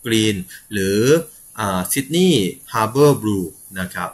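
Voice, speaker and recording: Lower-voiced man hosting casual tech news. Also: animated. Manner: reads news items with filler particles and quick laughs. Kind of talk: casual tech news show reading comments.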